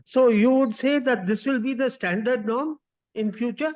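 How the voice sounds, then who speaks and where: A man with an Indian accent asking an investor's questions on a dull conference call line, halting but insistent. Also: extremely high pitch, darkish tone.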